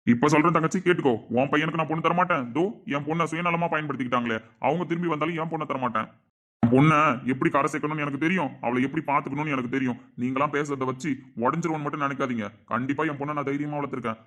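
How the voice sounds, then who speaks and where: A man's voice: on the high side, steady tone, rapid-fire, fairly bright tone, close to an everyday voice. A man playing a middle-aged father who defends his daughter with emphatic, indignant speech in a family drama. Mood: angry. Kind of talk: amateur family drama acting.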